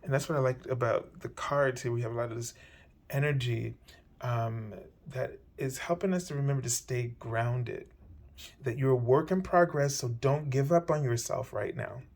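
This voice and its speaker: A man with a medium-pitched voice leads a weekly tarot reading. He talks gently and circles around his points, often pausing on fillers and starting over. His voice carries a slight hoarseness. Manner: meandering, gentle, many fillers and restarts. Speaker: tarot reader.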